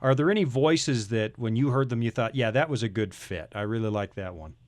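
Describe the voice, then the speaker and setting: A man's voice: medium pitch, a little fast, no room sound, clean studio sound. A man hosting a radio interview, bantering with guests in a joking, self-deprecating way. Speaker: radio show host.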